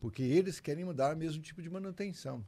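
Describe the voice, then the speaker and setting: This man's dark, mellow tone comes through somewhat breathy. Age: 70s. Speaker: mayoral candidate. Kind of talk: interview.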